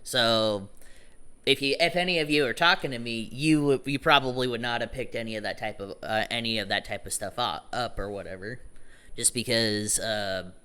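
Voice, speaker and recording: A young man with a bright, clear voice talks to a small group in a loose, rambling way. He often restarts his sentences and swears freely. His tone is frank and personal. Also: mid-range voice, moderate pace. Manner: rambling, self-correcting, frank and profane. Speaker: meetup attendee introducing himself. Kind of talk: casual group talk.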